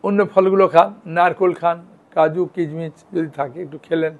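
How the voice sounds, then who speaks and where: A man's voice: on the high side, fairly even intonation, brisk, phone-quality sound. A man giving a devotional lecture as a monk. He talks in a conversational, reassuring way and often checks in with his listeners. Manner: conversational, reassuring, checks in with "hyan" and "thik ache".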